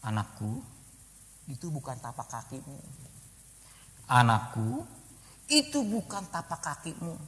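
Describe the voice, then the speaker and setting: A calm, fatherly God speaks softly and slowly to his child, as an older man voices him in a sermon. The voice is bright and lowered, and it carries a long reverb through a church hall. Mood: tender. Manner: slow, soft and lowered. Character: gentle fatherly male God, calm and reassuring.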